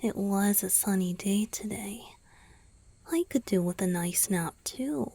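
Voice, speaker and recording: A woman voicing a tender, devoted young male vampire boyfriend in a soft, breathy whisper for a romantic ASMR roleplay. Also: mid-range voice, no echo. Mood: pleased, gentle. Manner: slow, gentle, devoted, lingering pauses.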